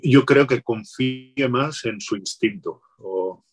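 A man speaking as an interview guest, explaining marketing tips in a relaxed, advice-giving way, often restarting his phrases. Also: medium pitch, takes it slowly, breathy edge. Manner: explanatory, many restarts and "pues". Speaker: guest, LinkedIn sales consultant.

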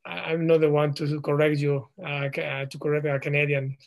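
Spanish-accented man, fairly high voice. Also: monotone, creaky. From Spain. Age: 30s. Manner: halting, frequent ums and restarts. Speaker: guest, professional footballer. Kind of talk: interview answers.

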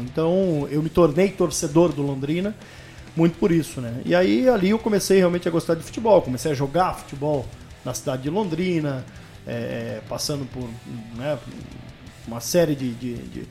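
A man's voice: fairly high pitch, brisk, mellow, soft background music. A man in his thirties from northern Paraná, a radio sports commentator talking as a podcast guest, telling his story at an easy pace and often ending phrases with a question tag. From northern Paraná, Brazil. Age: 30s. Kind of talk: casual podcast interview.

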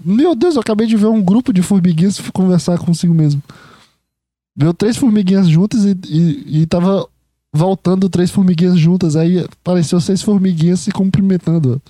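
Excitable young man, warm voice. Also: on the high side, dry recording, clean studio sound. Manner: excitable, talks to the listener directly, swears casually. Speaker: podcast host. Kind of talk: rambling casual monologue.

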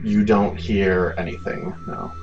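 Very deep-voiced man narrating a game. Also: big pitch swings, gravelly, a little mellow. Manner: halting, conversational description with many asides. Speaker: game master. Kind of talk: improvised tabletop game narration. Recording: dull, muffled sound under prominent music.

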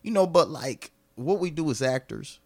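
A man who acts and lifts weights, a guest in a casual podcast chat, relaxed and swearing now and then. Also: a little high, moderate pace. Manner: relaxed, swears casually, retells friends' words.

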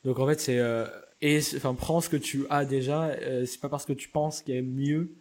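A man from France hosting a podcast for French learners, chatting casually and warmly with fillers. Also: mid-range voice, fairly even intonation, normal speed. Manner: friendly, fillers and repeated words. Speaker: podcast host.

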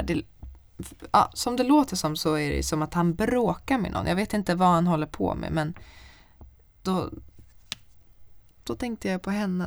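A young woman chatting casually, telling a story in a lively way and swearing often. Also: sits low, gravelly, no room sound.

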